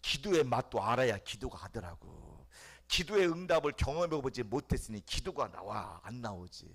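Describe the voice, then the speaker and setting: A pastor with a wildly lively sermon voice. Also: male voice, mid-range voice, moderate pace, creaky, husky. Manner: swings from loud cries to hushed whispers; repeats phrases for emphasis.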